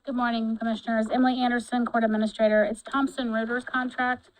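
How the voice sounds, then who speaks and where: Brief: female court administrator, higher even voice, smooth, matter-of-fact. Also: fast, a little hiss or hum, rough recording. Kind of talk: brief presentation at a meeting.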